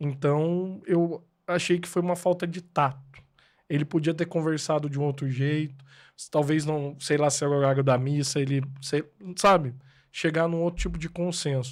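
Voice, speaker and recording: With an ordinary speaking voice, a man talks at a moderate pace in a fairly high pitch and fairly even intonation. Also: very clean recording, silent background. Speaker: historian. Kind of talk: panel discussion.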